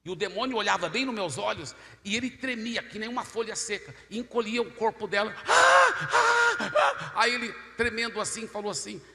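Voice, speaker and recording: A man preaching a sermon, telling a story and acting out every voice, swinging from loud to hushed. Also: high voice, quick pace, few pauses. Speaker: pastor. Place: large church hall. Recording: echoey church hall, faint noise.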